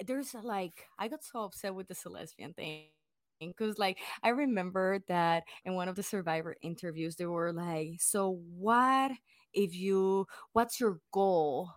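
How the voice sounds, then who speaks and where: A woman's voice: mid-range voice, slow, sharp tone, no echo, studio quality. A young woman from Puerto Rico with a Puerto Rican accent, Spanish her first language, talking casually and animatedly in an interview with many restarts. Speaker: guest.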